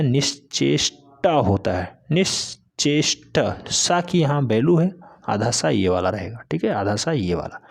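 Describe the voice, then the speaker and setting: A man's voice: mid-range voice, darkish tone. A male teacher giving an exam-prep spelling lesson, repeating each word several times in an emphatic, drill-like way and calling his students "beta".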